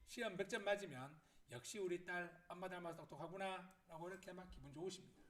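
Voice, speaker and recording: A man teaching a lesson, talking through children's poems. His pitch swings widely as he keeps asking the listener to agree. His voice sits a little high for a man. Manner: animated, asks the viewer to agree. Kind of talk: lesson video, reading and explaining pupils' poems.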